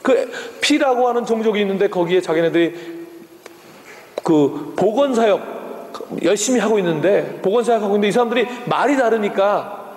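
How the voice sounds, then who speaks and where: A middle-aged man, a missionary, preaching a sermon in a church with animated storytelling and frequent tag questions. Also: high-pitched, moderate pace. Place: church sanctuary. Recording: echoey hall with long reverb.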